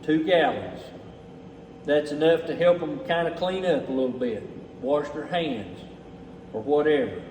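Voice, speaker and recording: A man's voice: fairly high pitch, animated, measured pace, a little mellow. Man, Southern US accent, folksy, unscripted casual talk, long room reverb, distant mic. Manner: folksy, plainspoken, addresses listeners as "folks". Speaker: relief effort organizer presenting donations. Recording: echoey, distant mic, faint background noise.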